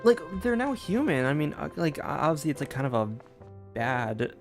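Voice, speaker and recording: Streamer chatting casually over a game, rambling and hesitant, mid pitch, faint music behind. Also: big pitch swings, normal speed. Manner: hesitant, rambling thinking aloud. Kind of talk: casual gameplay commentary.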